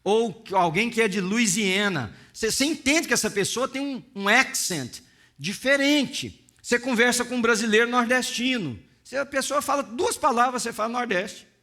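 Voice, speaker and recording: A middle-aged pastor preaching with passion, his voice pitched high and ringing bright. He swings between hushed asides and rising, emphatic peaks, acting out the scenes he describes. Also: animated, normal speed. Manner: impassioned, dramatic, acts out scenes. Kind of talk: sermon.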